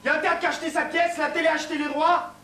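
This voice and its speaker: A hot-headed young man with a very high voice who swears in angry bursts. The sound is roomy and taken from a distant mic. Steady background noise sits under it. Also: racing. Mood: defiant. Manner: explosive, swearing. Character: volatile young man, quick to anger. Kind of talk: film acting.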